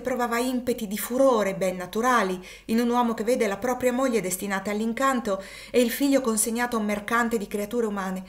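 A woman narrating a classic novel as an audiobook in a measured, literary reading. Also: a little high. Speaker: audiobook reader.

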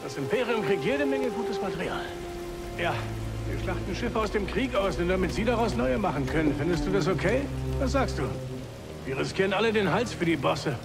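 Kindly aging alien scrapper, game dialogue, gravelly, fairly high-pitched, halting and grumbling, loud music behind. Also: male voice, expressive. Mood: chatty, grumbling. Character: older, world-weary, kindly alien scrapper, male. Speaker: game character, scrap worker. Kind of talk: video game cutscene acting. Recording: game scene under loud music, rain.

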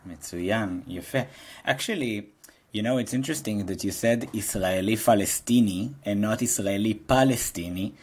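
A man's voice: lowish voice, quick pace, a little mellow, breathy edge. A man hosting a casual podcast interview, asking curious questions. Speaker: host and Hebrew teacher.

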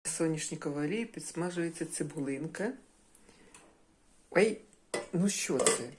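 A woman narrating a casual cooking vlog from her home kitchen, thinking aloud step by step at an unhurried pace. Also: low-pitched, lively intonation, darkish tone. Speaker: home cook, channel host. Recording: kitchen cooking noise behind voice. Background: sizzling frying pan.

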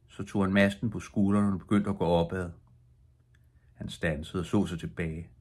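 An older man reading a bedtime story aloud as an audiobook narrator, calm and steady, with a husky voice. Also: deep voice. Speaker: audiobook reader.

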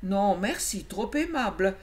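A woman's voice: mid-range voice, big pitch swings, unhurried. A woman voicing a young male black wolf in a storybook reading, jumpy and rambling in his talk. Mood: chatty.

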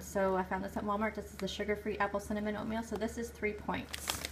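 A woman's voice: medium pitch, very noisy. A woman in her forties casually showing off her groceries at home, listing items and their points and correcting herself as she goes. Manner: chatty, lists items and point values, self-corrects. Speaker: vlogger. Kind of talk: casual grocery haul show-and-tell. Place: home kitchen table. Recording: loud crinkling bags near the mic.

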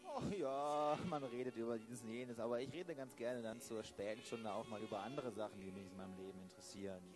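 Audio drama inspector, played by a man: world-weary, dry wit, hesitant phrasing, medium pitch. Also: a little fast, music in the background, lightly acted. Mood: musing.

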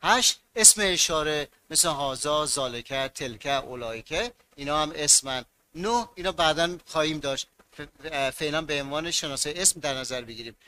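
A man's voice: fairly high pitch, animated, bright, forceful tone. A man teaching a grammar lesson to students, repeating key words and asking them to fill in blanks.

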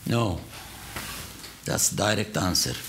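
Gravelly older man with an Arabic accent. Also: sits low, slow, background noise. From Palestine. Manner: animated and emphatic, with many restarts and Arabic asides. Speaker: art collector, guest. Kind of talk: conversational storytelling on stage. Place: lecture hall with seated audience.

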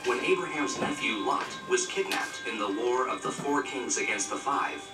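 A man narrates a scripted documentary at a medium pitch over loud music. The sound comes from a film played back in an echoey room, picked up from afar. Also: expressive, normal speed, distant mic.

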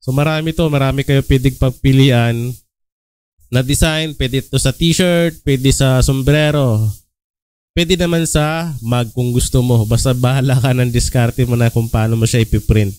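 Filipino male tutorial host, young, relaxed and filler-heavy, clean dry close-mic sound. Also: mid-range voice, normal speed, no echo. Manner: relaxed, many filler "ah" and "okay?" check-ins. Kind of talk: casual screen-recorded tutorial.

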